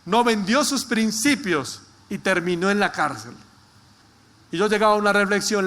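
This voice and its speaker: A man preaching a sermon as pastor, stressing points by repetition and slowing down to read scripture. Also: high voice, a bit bright.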